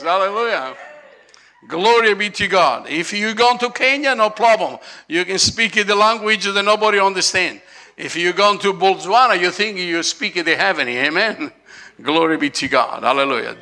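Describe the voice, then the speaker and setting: Jovial pastor with Italian accent, bright gravelly voice. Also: male voice, sits high. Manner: jovial, laughing often, frequent amens. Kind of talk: lively Christmas sermon.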